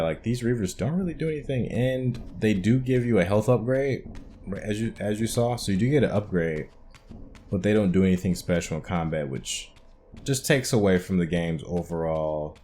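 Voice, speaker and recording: Very deep-voiced man giving game commentary. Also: normal speed, dark tone, slight background noise. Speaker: gaming video host.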